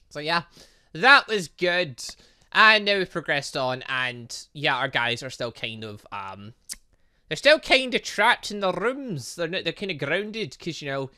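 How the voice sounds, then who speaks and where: Male let's-play host, bright and punchy, loose rambling commentary with mild swearing. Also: medium pitch. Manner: chatty, swears lightly, rambling asides. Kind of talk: casual gaming commentary and reading aloud.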